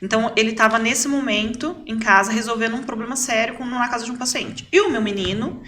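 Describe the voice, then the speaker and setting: A middle-aged woman, a podcast guest, telling a family story in a lively way and repeating words for emphasis. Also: a little high, fast talker, a little hiss or hum. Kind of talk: casual storytelling.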